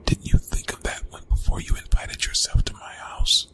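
A man playing a gruff, reluctant young college bully in an ASMR roleplay, talking in a hushed, halting, casual way. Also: close to an everyday voice. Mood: exasperated, hushed. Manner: hushed, halting, casual, often breathy whispering. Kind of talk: ASMR roleplay, intimate one-sided dialogue.

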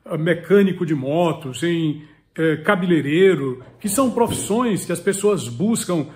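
Man in his fifties, high-pitched voice, teacherly and earnest, speaking close to a camera in a book-lined study. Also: expressive, measured pace. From Piauí, Brazil. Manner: earnest, didactic, repeats key words for emphasis. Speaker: political commentator and channel host. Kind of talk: direct-to-camera advice talk. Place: home study with full bookshelves. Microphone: webcam or phone close up, head and shoulders.

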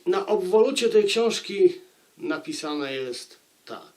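A man talks to his viewers about a book in the manner of a storyteller. His delivery is unhurried, with deliberate pauses between phrases. The intonation swings widely, keeping the narration lively. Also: high voice. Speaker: book reviewer and audiobook narrator. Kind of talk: book review, addressing viewers.

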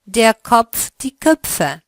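A woman running a language lesson, giving slow, carefully articulated prompts for the learner to answer. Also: on the high side, sing-song, no room sound, clean studio sound. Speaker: language teacher.

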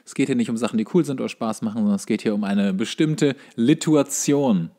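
A man's voice: mid-range voice, brisk, mellow. A man, co-hosting a comedy podcast with wry, opinionated banter and wordplay. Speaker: podcast co-host. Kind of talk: casual comic banter.

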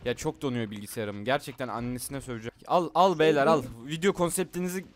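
Fast-ranting frustrated young gamer man. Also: mid-range voice. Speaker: gamer streamer. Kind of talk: angry gameplay commentary.

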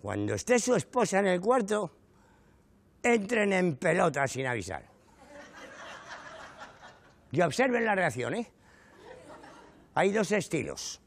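Comedian with a gravelly voice. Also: male voice, high voice, huge pitch swings, takes it slowly, long pauses. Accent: Canary Islands Spanish. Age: middle-aged. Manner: exaggerated, indignant comic storytelling with rhetorical asides. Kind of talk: stand-up monologue. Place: studio stage before a live audience.

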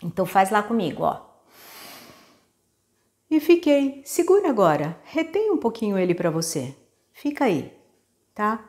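A woman's voice: mid-range voice, big pitch swings, measured pace, long pauses, darkish tone. A Brazilian woman singing teacher giving a patient, step-by-step lesson on breathing, often checking in with her students. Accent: Brazilian Portuguese. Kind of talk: vocal lesson with demonstrations.

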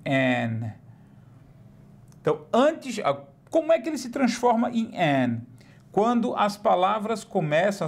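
A man teaching English in a recorded online lesson, explaining slowly and repeating each example word. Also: fairly high pitch, vocal fry.

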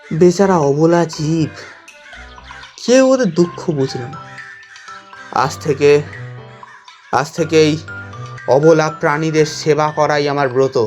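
A man's voice: fairly high pitch, slow pace, pauses often, darkish tone, faint music behind. A man playing a boastful, zealous youth set on doing good, declaiming grandly in a comic audio drama. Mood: earnest, bossy.

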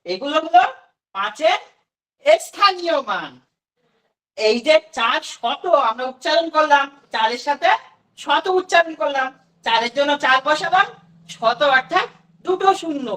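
A woman's voice: sits high, lively intonation, measured pace, long pauses, fairly bright tone, distant mic, rough recording. A woman teaching a demo class to imagined children, asking questions and then answering them herself.

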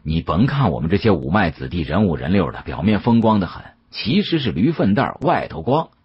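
A man acting a husky, slangy young heir. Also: sits low, big pitch swings, brisk, lo-fi sound, heavily acted. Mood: rueful, bitter. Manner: colloquial Beijing slang, sighing. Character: young man, glib slangy antique-dealer heir, bitter underneath.

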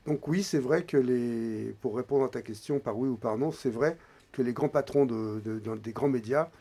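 A man in his forties, a guest in a radio studio, explaining at a measured, hesitant pace and often trailing off quietly. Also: medium pitch, breathy edge. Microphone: studio microphone, wearing headphones.

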